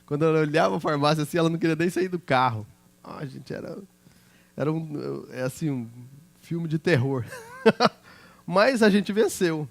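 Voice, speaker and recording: A man's voice: fairly high pitch, lively intonation, normal speed, vocal fry. A middle-aged man, a pastor preaching a sermon through chatty personal stories and often checking in with his listeners.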